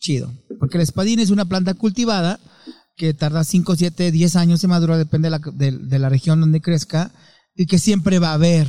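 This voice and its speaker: A man speaks at a fairly quick pace in a high pitch with a dark, mellow tone. His loudness stays very even. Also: ordinary pitch variation. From Oaxaca, southern Mexico. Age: 30s. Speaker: guest, Oaxaca local. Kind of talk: casual chat. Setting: recorded on location in Oaxaca.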